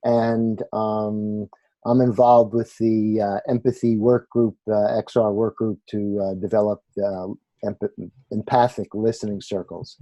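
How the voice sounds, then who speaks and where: Older man, low and dark, flat delivery. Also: measured pace, no echo, highs cut off. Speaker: retired teacher. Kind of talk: casual self-introduction. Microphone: video call.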